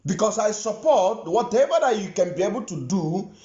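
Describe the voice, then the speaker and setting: A man's voice: sits high, animated, normal speed, warm tone, breathy edge, no echo, lo-fi sound. A Nigerian man on a livestream, giving impassioned commentary that scolds his listeners with repeated phrases and rhetorical questions. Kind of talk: impassioned live-stream commentary.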